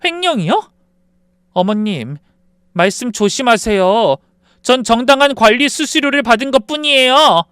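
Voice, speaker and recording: A man's voice: extremely high pitch, animated, normal speed, a bit bright, clean tone, no echo, clean studio sound, pitched above the performer's own voice. A man voicing a scheming young daughter-in-law who answers her mother-in-law with cool, coldly polite defiance, in a dramatized story reading. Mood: coldly defiant.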